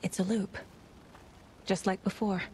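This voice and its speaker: A woman's voice: mid-range voice, little pitch movement, unhurried, mellow, slight background noise, close to an everyday voice. A woman voicing a determined FBI agent who speaks urgently. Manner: urgent, calling out. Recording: game audio under music.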